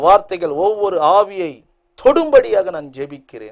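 This man's intonation is lively. His voice sits at a high pitch. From India, Chennai. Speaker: pastor. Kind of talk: sermon.

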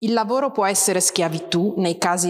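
The voice belongs to a woman. Her pitch is medium. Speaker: novelist and economics journalist; economics journalist. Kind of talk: talk at a panel event. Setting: stage with audience. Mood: serious, measured. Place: hall. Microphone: handheld.

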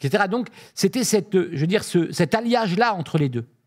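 With lively intonation, a man talks at a moderate pace, captured in a very clean recording against a silent background. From France, Blois. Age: 50s. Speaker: member of parliament. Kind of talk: political interview.

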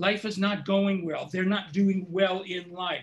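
This man's voice sits at a high pitch and moves at a very slow pace. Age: 70s. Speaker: psychologist and family therapy researcher; interviewee. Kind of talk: interview. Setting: video call. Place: home room. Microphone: webcam.

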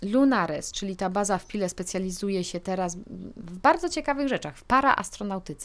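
Speech comes at a moderate speed. The voice rises and falls in a typical way. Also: woman. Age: 40s. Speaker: astrobiologist and neuroscientist; interviewee. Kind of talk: interview. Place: studio. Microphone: studio mic.

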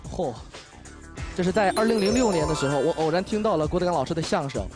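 Against clear music in the background, a high-pitched man talks at a very fast pace with ordinary pitch variation and long, frequent pauses, in a dry sound with no echo. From Hebei, China. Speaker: wedding host and amateur crosstalk performer. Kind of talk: interview answer on TV show. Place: stage. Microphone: handheld.

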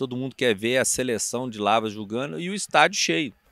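Recorded very cleanly against a silent background, with a dry, close sound and no echo, a man with an unremarkable speaking voice talks at medium pitch with lively intonation. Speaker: amateur football team organizer. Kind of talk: interview. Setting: outdoors.

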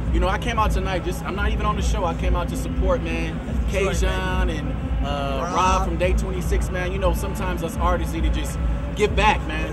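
With music in the background, a man speaks at a fairly quick pace. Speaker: interviewee. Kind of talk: interview answer. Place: street.

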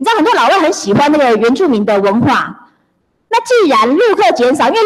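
This woman talks at a fairly quick pace in a high pitch with very wide pitch swings. The background is quiet. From Taiwan. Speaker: county councillor. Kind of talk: council questioning. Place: hall. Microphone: podium.

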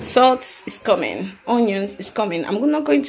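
Over light background noise, a woman talks at a fairly slow pace with lively intonation. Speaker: home cook vlogger. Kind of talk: casual cooking vlog chat. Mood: playful, laughing. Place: kitchen. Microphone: phone near.

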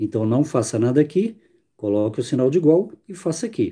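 A man speaks with a dark, mellow, somewhat breathy tone. His pitch swings very widely. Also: quiet background. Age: 40s. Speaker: math teacher. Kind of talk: live-stream math lesson and chat. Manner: casual, frequent fillers.

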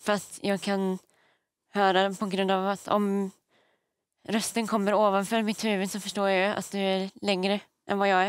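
At a moderate pace with long, frequent pauses, a woman talks at medium pitch in a flat monotone, the sound dry with no echo and the background quiet. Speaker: interview guest. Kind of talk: TV talk show interview. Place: studio. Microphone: lapel.

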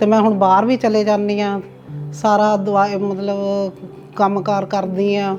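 A woman speaks at a medium pitch in a flat, monotone way, with noticeable noise in the background. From Ludhiana, Punjab, India. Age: 50s. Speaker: patient. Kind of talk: patient testimonial to camera. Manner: casual, conversational.

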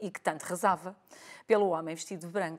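A woman talks over a quiet background. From Portugal. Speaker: TV presenter. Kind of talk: TV talk show interview. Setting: studio. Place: studio. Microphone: lapel.

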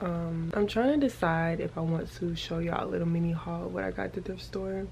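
Light background noise sits under a woman's voice. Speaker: vlogger. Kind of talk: casual vlog chat. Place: home room. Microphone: phone near.

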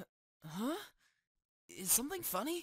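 Using a put-on character voice, the speaker talks at a moderate pace with a fairly high pitch and very wide pitch swings. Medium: audio drama. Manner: lively, boyish, bickering.

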